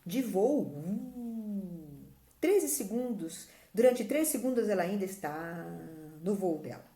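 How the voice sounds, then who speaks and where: A woman's voice: medium pitch, expressive, slow, warm tone, roomy sound. A woman teacher with a Brazilian Portuguese accent, patiently going through spelling rules step by step in a recorded remote lesson.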